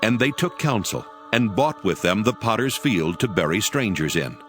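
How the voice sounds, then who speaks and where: Lowish, expressive male scripture narrator. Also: normal speed, soft background music.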